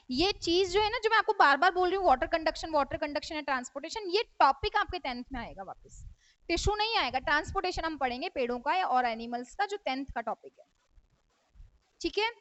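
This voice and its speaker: A woman's voice: very high-pitched, a bit bright, no room sound. A woman teaching a school science lesson, asking her class questions and answering them herself, with English terms mixed into her speech. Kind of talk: classroom lecture. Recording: dry, dull lo-fi recording.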